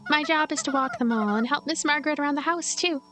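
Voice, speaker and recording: A woman's voice: sits high, quick pace, sharp tone, voice pushed up. A woman voicing a cheerful, optimistic ghost girl in a visual novel, with a light and playful manner. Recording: music behind the voice.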